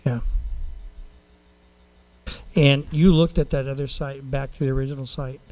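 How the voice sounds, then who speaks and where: A man speaking as a council member in a public meeting, plain-spoken and rambling, with halting phrasing. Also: mid-range voice, fairly even intonation, a little mellow, no room sound, poor audio.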